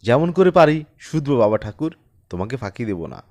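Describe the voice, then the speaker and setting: A man's voice: medium pitch, big pitch swings, fairly quick, a little mellow, dry recording, natural voice. A desperate, humble peasant from a storybook, played by a male narrator. He begs plaintively and defers to his betters. The recording is dry. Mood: desperate, begging. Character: poor, humble peasant father, desperate and pleading. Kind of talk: dramatized audiobook storytelling.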